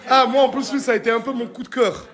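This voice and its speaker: Excitable high-voiced man hosting a street casting. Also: quick pace. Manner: excitable, laughing, calls for quiet. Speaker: vlogger running a street casting. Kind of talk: lively outdoor vlog hosting. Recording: crowd chatter behind.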